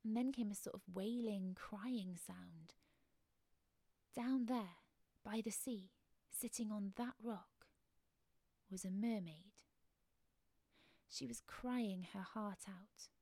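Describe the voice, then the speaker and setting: A woman narrating a bedtime story in a soft, gentle voice that often drops to a hushed whisper. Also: mid-range voice, slow pace, pauses often, dry recording.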